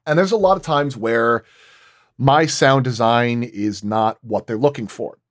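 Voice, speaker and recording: A man's voice: mid-range voice, measured pace. A man who works as a sound designer, talking casually at a roundtable and explaining his craft with examples, often thinking aloud as he goes.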